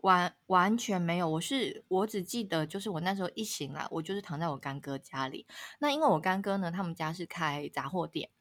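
A woman, a podcast co-host telling a story in casual chat, laughing often and leaping up in pitch at dramatic moments. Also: brisk.

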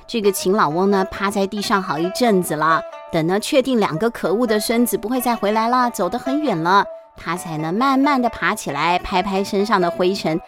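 A woman with a medium-pitched voice reads a picture book aloud to children at bedtime, lively and chatty, often pausing to ask the kids questions. Music plays in the background.

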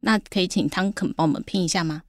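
A woman's voice: lowish voice, fast talker, dry recording, clean studio sound. A woman hosting a casual language show, steering the talk with questions to her co-host. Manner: leads the talk with prompting questions. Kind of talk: casual teaching chat.

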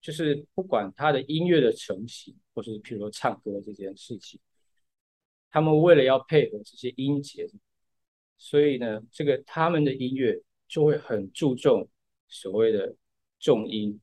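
A man's voice: medium pitch, normal speed, mellow. A man, patiently explaining music in a casual podcast chat and using lots of fillers. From Taiwan. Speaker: podcast co-host.

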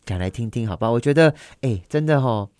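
A man's voice: medium pitch, lively intonation, quick pace, a little mellow, no room sound, clean studio sound. A man with a Taiwanese accent hosting a casual radio interview, joking, interjecting and wandering playfully off topic. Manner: playful, joking, often interjecting and going off on tangents. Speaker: radio show host.

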